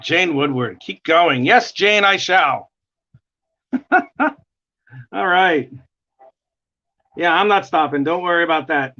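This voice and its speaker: A man with a gravelly voice and a New York accent, chatting in a rambling way while he draws on a livestream. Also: on the high side, slow pace, pauses often, bright, forceful tone. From United States. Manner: chatty, rambling, chuckling often. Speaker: artist livestreaming a drawing session. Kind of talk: casual chat while drawing. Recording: dull lo-fi stream audio.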